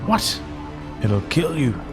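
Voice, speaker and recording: A man's voice: medium pitch, very animated, takes it slowly, music in the background. A man playing a formal, worried, pessimistic mission controller in a visual novel. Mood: alarmed. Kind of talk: visual novel character reading.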